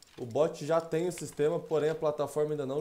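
A man at a moderate pace. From southern Brazil. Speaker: gaming streamer. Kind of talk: casual livestream chat with viewers. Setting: live stream with screen share. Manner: animated, chatty. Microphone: headset.

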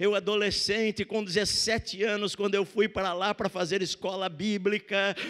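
A man with a high pitch and monotone, flat intonation at a moderate pace, against a quiet background. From interior of São Paulo state, Brazil. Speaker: pastor. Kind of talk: sermon. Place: church. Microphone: handheld.

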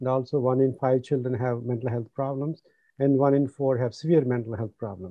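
At a fairly quick pace and with fairly even intonation, a man speaks against a quiet background, the sound dry with no echo. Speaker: psychiatrist; presenter. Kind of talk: lecture. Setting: video call. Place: home room. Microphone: video call.

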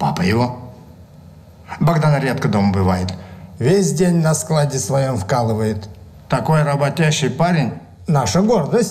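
With long, frequent pauses, a man speaks in very wide pitch swings. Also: fairly slow pace. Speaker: actor playing the young man's father. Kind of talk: scripted drama dialogue. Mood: proud, somewhat boastful.

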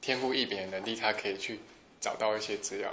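Audible room echo surrounds the man as he talks at a very fast pace. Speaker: spiritual course teacher. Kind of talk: lecture.

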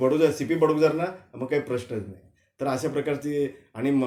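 A man has a plain, everyday voice, pitched fairly high. His intonation is fairly even. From Maharashtra, Jalgaon district (Amalner taluka village). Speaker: retired teacher and amateur singer. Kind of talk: interview.

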